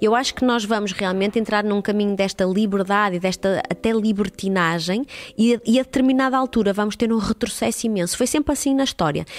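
A woman with a European Portuguese accent speaks in an animated tone. Her pitch is medium and her pace fairly quick. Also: ordinary pitch variation, very even loudness. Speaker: sex therapist and podcast host. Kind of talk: casual monologue.

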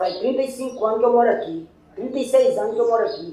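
Amid noticeable background noise and audible room echo, a woman speaks with lively intonation at a fairly high pitch. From Pernambuco, Brazil (Zona da Mata Norte). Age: 60s. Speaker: farmer and traditional healer. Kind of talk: interview.

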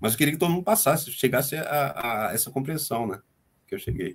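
Marked by vocal fry, a man's voice moves at a moderate pace. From Brazil, Sergipe (Aracaju) and abroad. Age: 50s. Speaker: engineer and author. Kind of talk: live interview. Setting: live online stream. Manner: halting, repeats words.

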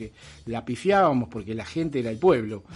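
A man speaks with a Rioplatense accent. His pace is moderate and his intonation lively. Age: 60s. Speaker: activist and publisher. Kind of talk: interview.

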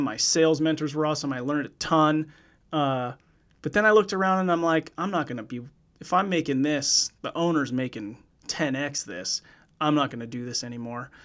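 In a very clean recording with a silent background, a man talks at a fairly quick pace with lively intonation. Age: 30s. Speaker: author and insurance entrepreneur. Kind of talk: casual interview. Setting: studio.

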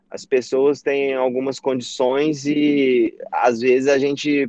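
A man's medium-pitched voice in a monotone, flat delivery, dry and close with no echo. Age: 40s. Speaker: cycling coach and athlete. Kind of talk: interview.

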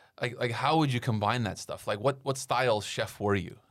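In an American accent, the speaker keeps a fairly even intonation at a moderate pace on a very clean recording with a silent background. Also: man. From United States. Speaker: podcast host. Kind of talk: interview.

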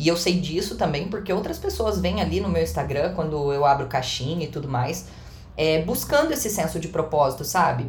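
There's noticeable background noise and audible room echo as a woman talks. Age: 30s. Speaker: podcast host. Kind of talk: monologue.

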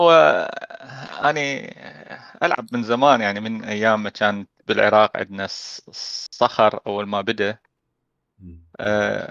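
With a dry, close sound and no echo, a man speaks fairly slowly at a fairly low pitch with ordinary variation and long, frequent pauses. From Iraq. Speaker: games industry business developer. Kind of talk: casual interview.

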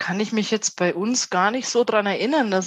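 A woman speaks in an ordinary speaking voice at medium pitch with ordinary pitch variation. The sound is dry and close, with no echo. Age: 40s. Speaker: nude and bondage model. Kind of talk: casual interview. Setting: video call from home office.

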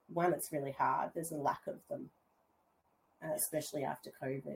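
A somewhat breathy, dark, mellow tone with an Australian accent. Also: woman. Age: 40s. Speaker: dyslexia advocate and researcher. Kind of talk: interview.

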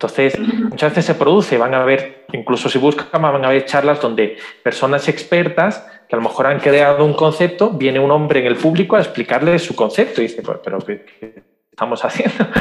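Speaking with a Spanish accent, a man with a fairly high pitch talks at a fairly quick pace with lively intonation. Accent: Spanish (Spain). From Spain. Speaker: psychology program director. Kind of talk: casual chat.

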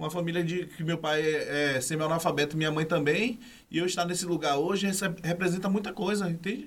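Over noticeable background noise, a high-pitched man speaks at a fairly quick pace. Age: 30s. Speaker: university student and activist. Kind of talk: podcast discussion.

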